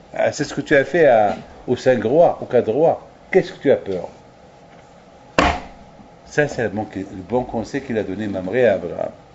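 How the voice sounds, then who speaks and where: Amid noticeable background noise, a man at medium pitch speaks at a fairly slow pace with lively intonation and long, frequent pauses. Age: 60s. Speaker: rabbi giving Torah lessons. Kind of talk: Torah lesson. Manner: halting, repetitive.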